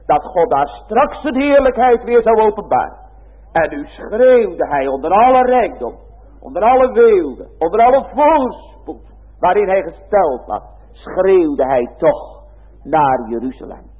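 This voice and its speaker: Husky preacher in a tinny hall. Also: male voice, high voice. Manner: solemn preaching cadence with archaic phrasing. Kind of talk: sermon. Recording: tinny phone-like sound in a reverberant hall.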